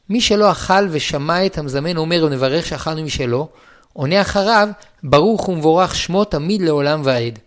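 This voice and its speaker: A man reading a Jewish law book aloud in a measured, steady recitation, now and then restarting a word. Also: on the high side. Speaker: reader of a Jewish law text. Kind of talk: formal read-aloud of a religious law book.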